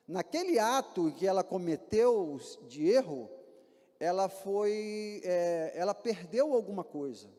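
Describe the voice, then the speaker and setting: Animated Brazilian pastor preaching. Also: male voice, sits high. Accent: Brazilian Portuguese. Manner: animated preaching with rhetorical questions and acted-out examples. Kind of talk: sermon. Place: church. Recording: hall reverb.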